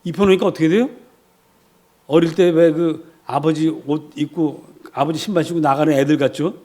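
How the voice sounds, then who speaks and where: Brief: male church pastor preaching, animated storyteller who has the congregation repeat after him, slightly raised pitch. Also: a little fast. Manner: animated storytelling, acting out quotes. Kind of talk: sermon.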